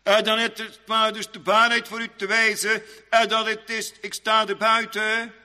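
A man preaching a sermon in old-fashioned churchly phrasing, rambling, repeating himself and pausing with many fillers. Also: sits high, flat delivery, sharp tone, big-room sound.

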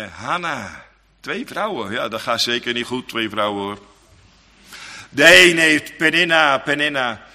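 Slow, piercing-voiced male preacher in a reverberant hall. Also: on the low side. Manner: dramatic, emphatic preaching with sudden loud outbursts. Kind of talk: sermon.

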